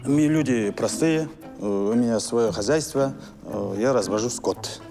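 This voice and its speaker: Man acting humble rural herder, comedy film, hesitant delivery, clear background music. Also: medium pitch, a little slow, natural voice. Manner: hesitant, unpretentious. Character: simple, plain-spoken rural male livestock farmer. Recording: music over film audio.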